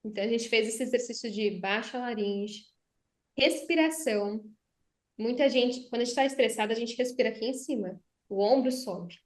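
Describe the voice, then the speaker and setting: A woman's voice: a little high, moderate pace, a little mellow. A Brazilian woman, a speech therapist, explaining voice and breathing techniques in conversation and demonstrating them. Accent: Brazilian Portuguese. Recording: roomy echo.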